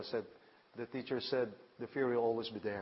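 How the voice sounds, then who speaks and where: A man speaks with a Filipino accent. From Philippines. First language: Filipino dialects. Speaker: guest preacher. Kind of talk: sermon. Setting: church. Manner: halting.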